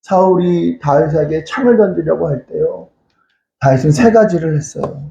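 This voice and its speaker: A man's voice: on the high side, normal speed, gravelly, warm tone, slight background noise. A male pastor preaching a sermon, asking questions and answering them himself, repeating phrases and crying out hallelujah. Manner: cries out hallelujah again and again. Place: church sanctuary. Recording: echoey, dull church hall recording.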